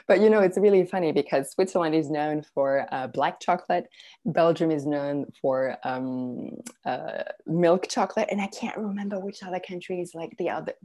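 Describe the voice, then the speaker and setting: A woman's voice: deep voice, normal speed, dark tone. A woman from Serbia, a parenting coach, talking earnestly as a guest, with many fillers and restarts. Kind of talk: casual interview talk.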